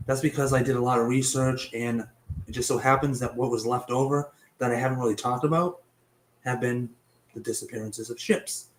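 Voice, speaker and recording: Narrating his laid-back web mystery show, this young host speaks fairly quickly in a steady, medium-pitched voice. He is talkative and a little profane, tripping over names, with a cough and a voice that's partly gone. The audio quality is poor.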